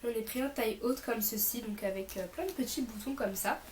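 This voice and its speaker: Young woman with a slightly sick voice, high-pitched. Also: brisk, darkish tone, reverberant, a little hiss or hum. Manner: informal, rambling, self-correcting. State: mildly ill, voice a bit off from sickness. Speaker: vlogger presenting a shopping haul. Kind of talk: casual chat to camera.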